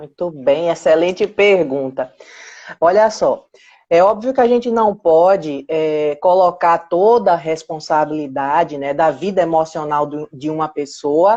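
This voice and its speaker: A woman speaks with a dark, mellow tone at a fairly low pitch. Her pace is fairly slow, with ordinary pitch variation. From Brazilian Northeast. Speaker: psychologist. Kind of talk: live interview. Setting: online live stream.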